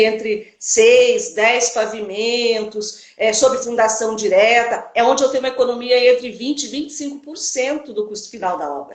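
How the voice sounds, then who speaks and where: The speaker is a woman with a fairly high pitch. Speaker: civil engineer. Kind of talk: live stream interview. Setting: Instagram live video. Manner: fast.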